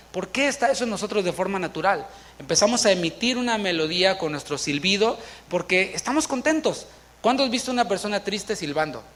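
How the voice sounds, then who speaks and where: High-voiced preacher. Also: male voice, a bit bright, slight background noise. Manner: conversational, asks the congregation questions, acts out little scenes. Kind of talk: sermon. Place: church.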